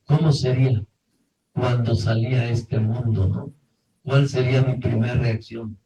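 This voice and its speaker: A man telling a personal story in a group circle, halting and reflective with pauses and restarts. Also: mid-range voice, steady tone, mellow, slight background noise. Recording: roomy, from far off the mic.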